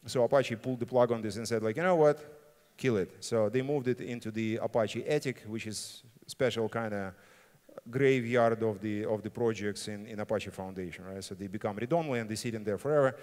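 A man's voice: lowish voice, brisk, a little mellow. A middle-aged man, a non-native English speaker, giving an informal, blunt conference talk and often checking in with "right?". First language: not English. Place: on stage in a large conference hall. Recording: reverberant hall sound system.

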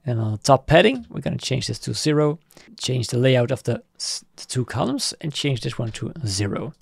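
A man hosting a screen-recorded software tutorial, talking through each step in a casual, upbeat way. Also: medium pitch, very animated, moderate pace, gravelly, breathy edge, no echo, studio quality. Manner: casual, upbeat walkthrough with small laughs. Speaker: tutorial host.

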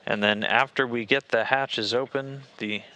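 An American man giving live spaceflight commentary from mission control in a measured, matter-of-fact, procedural manner, like a space communicator. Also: mid-range voice, fairly even intonation, pushed and bright, low-quality recording.

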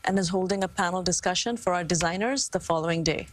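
A woman's voice: fairly low pitch, fast talker, no echo. Earnest woman guest on a TV set. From Pakistan. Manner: earnest, many um and uh fillers. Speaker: guest, fashion show founder. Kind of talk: live TV interview. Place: TV studio set. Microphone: lapel mic.

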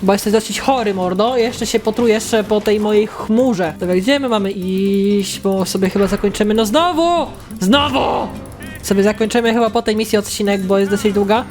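A young woman hosting a gaming channel, giving excitable casual commentary as she plays, swearing at the game and talking to her viewers. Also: mid-range voice, a little fast, hardly any pauses, soft background music.

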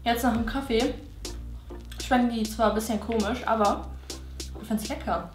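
A woman's voice: on the high side, fairly even intonation, moderate pace. A teenage girl vlogger chatting through a food taste test with her mouth partly full, casual and enthusiastic. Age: teens. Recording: echoey room with music behind.

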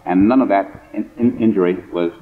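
An American man speaking formally and deliberately as an expert guest in a 1950s radio interview. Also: low-pitched. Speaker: guest surgeon. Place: convention hall radio interview. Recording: muffled phone-like 1950s radio recording.

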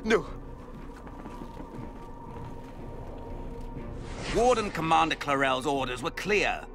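A pompous, sneering villain lord drawls theatrically in a fantasy video game. His fairly high voice swings widely and unhurriedly, over clear background music. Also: animated, moderate pace. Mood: stern, commanding.

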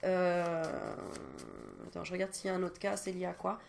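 A woman's voice: on the low side, little pitch movement, moderate pace, gravelly, a little mellow. A French-speaking woman giving a casual, reassuring card reading to camera, talking in a chatty way with many fillers and sighs, coughing now and then. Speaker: card reader and medium.

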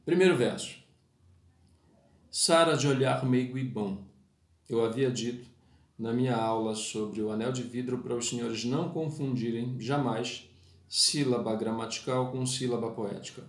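A man's voice: mid-range voice, normal speed, echoey room. A man teaching a poetry lesson, explaining verse meter in a didactic way and speaking formally to his listeners. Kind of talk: spoken lesson with sung verses.

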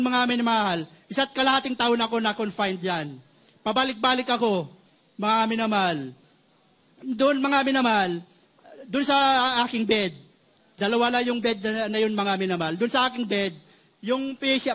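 A middle-aged man from the Philippines giving a testimony to a church congregation, halting and restarting, filling pauses with a fond address to his listeners. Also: extremely high pitch, a bit bright. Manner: halting, repeats "mga minamahal" constantly, many restarts.

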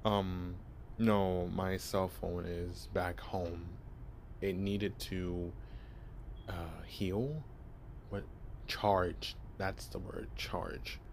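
A bashful young vampire stumbles over his words, deep-voiced and unhurried as he fumbles through a cover story, played by a young man. The delivery is awkward and hesitant, full of nervous restarts. A faint hiss sits under the ASMR audio. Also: level tone, gravelly, heavily acted. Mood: flustered, awkward. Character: shy, clueless young male vampire posing as human. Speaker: voice actor.

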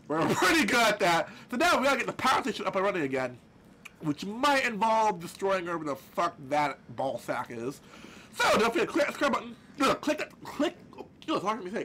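A man with a noticeable lisp chatters through a horror game playthrough, his voice pitched high and swinging widely. He swears freely and restarts his sentences often. Clear background noise runs under the recording. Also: fairly quick. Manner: swearing, excitable, rambling with many restarts. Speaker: gameplay commentator. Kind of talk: let's play commentary.

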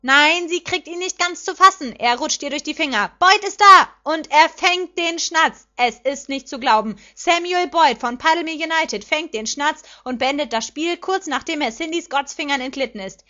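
A woman voicing an excited male sports commentator calling the action. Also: fairly high pitch, brisk, few pauses, lo-fi sound, natural voice.

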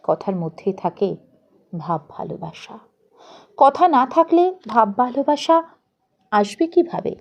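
Slow-paced woman narrating a story. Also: on the high side, sing-song. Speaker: audiobook narrator. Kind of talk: scripted literary story narration.

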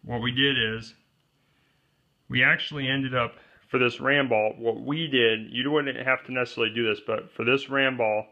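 A man with a bright, forward voice explains a do-it-yourself camera pole, naming each part in a plain, step-by-step way. The recording is a little dull and lo-fi, made indoors at a table. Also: medium pitch, steady tone, moderate pace. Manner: plainspoken, pointing out parts step by step. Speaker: DIY kayak gear presenter. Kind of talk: hands-on how-to walkthrough. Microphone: off-camera voice over overhead shot of hands.

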